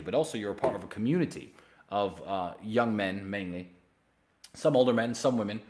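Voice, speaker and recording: Man with a lowish voice hosting a live Q&A. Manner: emphatic, persuasive pitching; direct, addresses viewers by name. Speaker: livestream host answering viewer questions. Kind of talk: casual solo livestream Q&A.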